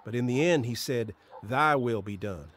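An actor playing an earnest Christian friend, urging and exhorting in a radio drama. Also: male voice, medium pitch, animated, normal speed, fairly bright tone, close to an everyday voice.

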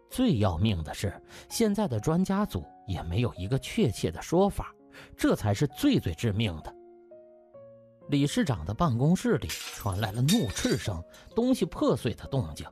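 A man's voice: mid-range voice, dark tone. A man narrating a novel as a dramatised audiobook.

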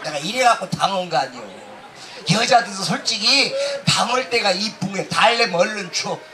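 Brash high-voiced man. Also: lively intonation, normal speed. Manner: loud, brash, heckles the audience. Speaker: pumba street performer. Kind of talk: bawdy stage comedy with crowd banter. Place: outdoor beach stage. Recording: distant outdoor PA with noise.

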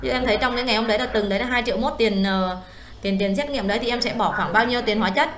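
A woman talks quickly and a little high, walking a student through accounting steps in a brisk, explanatory way. She keeps checking whether her listener follows. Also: over a noisy crowd. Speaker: accounting tutor. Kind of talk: one-on-one software tutoring session.

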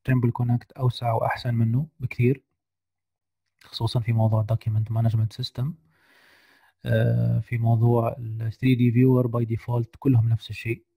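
A tired man giving a screen-share software lesson on a video call, hesitant with many fillers and English technical terms mixed in. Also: mid-range voice, gravelly, no room sound. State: tired, slightly unwell voice. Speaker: guest lecturer.

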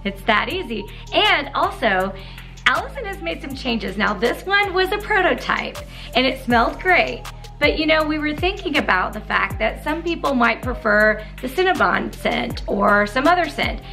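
Upbeat middle-aged woman, bright higher voice, chatty co-host on a home vlog, music underneath. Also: big pitch swings, normal speed. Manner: bubbly, upbeat, laughs often. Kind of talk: casual chat to camera. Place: indoor home studio set.

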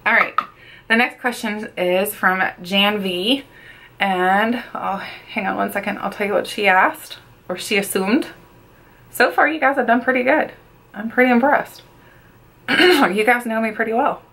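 A woman's voice: medium pitch, a little slow, a bit bright, rough recording. A woman in her thirties chatting casually while doing her makeup at a desk in a small room, repeating words for emphasis and saying she feels she is losing her voice. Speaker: beauty vlogger. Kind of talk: casual get-ready-with-me chat. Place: small bedroom makeup setup, indoors.

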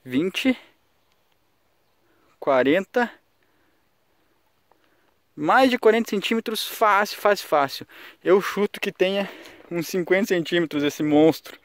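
A young man with a Brazilian Portuguese accent, out of breath, talking excitedly to viewers as he lands a fish on a riverbank. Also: high voice, slow, pauses often, dry recording, poor audio. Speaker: fishing vlogger. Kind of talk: excited outdoor fishing commentary. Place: outdoors on a riverbank. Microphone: handheld camera mic.

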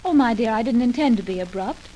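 A woman's voice: a little high, lively intonation, fast talker, dark tone, lightly acted. A woman playing a smug romantic rival in an old radio soap, sweetly condescending and polished, on a noisy old recording. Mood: falsely sweet. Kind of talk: 1940s radio soap acting.

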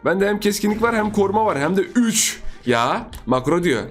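A man with a high voice gives rapid-fire gameplay commentary, chatting with his viewers and teasing other players. He jumps from excited high exclamations to low, muttered asides. Faint music plays underneath. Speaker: gaming YouTuber. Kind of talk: let's-play gameplay commentary.

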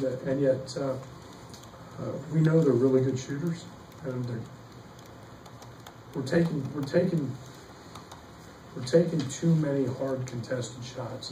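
A middle-aged man, a basketball coach, answering questions at a postgame press conference, halting with many fillers and restarts. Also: medium pitch. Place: press room behind a table. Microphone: table mic, heard from some distance. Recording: echoey room, distant mic, faint noise.

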